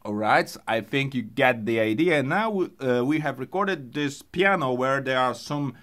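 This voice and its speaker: A man explains a looper step by step, halting with fillers and restarts. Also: medium pitch, lively intonation, a bit bright. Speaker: music gear tutorial host. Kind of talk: casual tutorial explanation.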